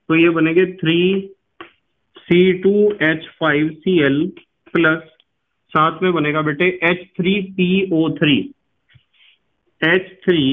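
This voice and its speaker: A man with a somewhat high voice teaching a chemistry lesson. He talks patiently, puts questions to the class, answers them himself, and spells terms out slowly. The sound is thin and tinny, like a phone line. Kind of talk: classroom lecture.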